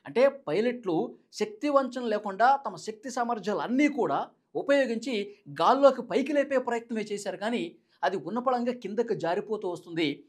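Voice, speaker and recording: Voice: mid-range voice, husky. A Telugu news presenter giving explanatory commentary in a dramatic, emphatic manner, repeating key points.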